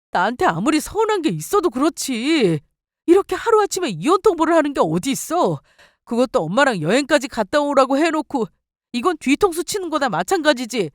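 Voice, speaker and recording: A tearful, pleading husband, played by a woman in a dramatized audio story. The voice sits high and rises and falls widely as he begs. Recorded close and dry. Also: no echo. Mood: reproachful. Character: cornered husband, begging forgiveness.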